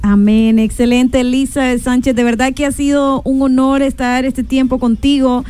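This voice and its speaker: A woman's voice: sits high, little pitch movement, moderate pace, dark tone, clear, resonant tone. A woman co-hosting a Christian radio show, announcing in a formal, upbeat presenter manner. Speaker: radio co-host. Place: radio studio.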